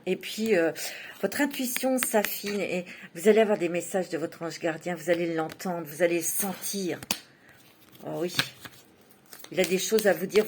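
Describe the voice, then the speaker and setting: A woman's voice: fairly low pitch, noisy background. Chatty woman reading tarot cards. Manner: chatty, laughs often, many fillers like "hein". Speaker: tarot reader. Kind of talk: casual monthly tarot reading.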